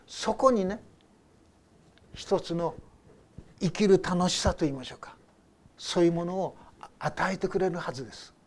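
An older male pastor preaching a sermon with a fairly high voice. He talks in a loose, conversational way, telling stories and putting questions to his listeners. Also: normal speed, pauses often. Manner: conversational storytelling with rhetorical questions.

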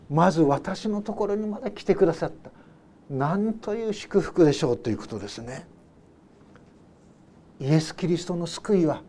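A male pastor giving a Sunday sermon, reading Bible verses and explaining them in an unhurried way with soft asides. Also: sits high. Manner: reads scripture verses aloud and then paraphrases them. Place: church service.

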